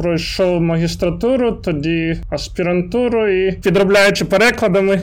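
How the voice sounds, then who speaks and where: Audible room echo surrounds speech delivered at a moderate speed, its pitch varying in an ordinary way. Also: man. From Ukraine, Kyiv region (Brovary). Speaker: manga translator. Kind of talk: interview.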